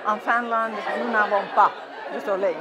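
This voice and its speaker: A woman reminiscing in a slow, measured, wistful way in a large hall. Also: medium pitch, fairly even intonation, a crowd in the background. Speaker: alumna. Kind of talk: reflective reminiscence.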